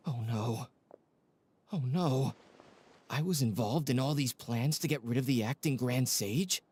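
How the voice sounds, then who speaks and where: A man's voice: medium pitch, a little slow, darkish tone, breathy edge. An actor playing an anxious, apologetic male scholar in a video game. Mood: distraught.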